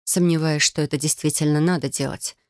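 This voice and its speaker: A woman's voice: deep voice, fairly even intonation, a little fast, dry recording, clean studio sound, natural voice. A woman reading a wary young heroine. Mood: doubtful. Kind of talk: audiobook character voice.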